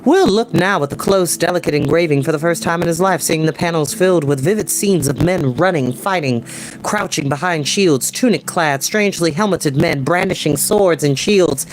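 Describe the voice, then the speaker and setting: A man's voice: fairly high pitch, normal speed, low-quality recording. A young adult man reading a book aloud as a storyteller, with casual, enthusiastic asides in slangy language. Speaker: storytime reader and host. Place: small home room with desk and bookshelves.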